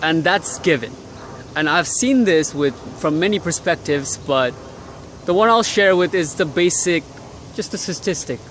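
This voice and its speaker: This young adult vlogger from Bangladesh gives casual motivational talk outdoors on a cold city day, blunt and full of swearing. He's expressive and unhurried, his slightly higher-than-average male voice fairly bright, while traffic hums faintly nearby.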